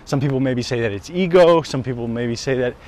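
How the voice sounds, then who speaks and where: A man's voice: mid-range voice, a little fast, darkish tone. A man, chatting casually while walking down a residential street, camera held at arm's length, swearing freely and laughing at himself. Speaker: wellness vlogger. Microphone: handheld camera at arm's length.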